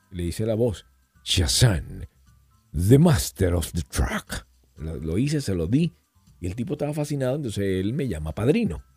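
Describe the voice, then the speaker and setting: A middle-aged man appears as a podcast guest, telling casual stories and slipping into quick voices, accents and impressions, his low voice rising and falling a lot. It sounds dark, mellow and a bit husky, recorded dry and close with no echo and a little music underneath.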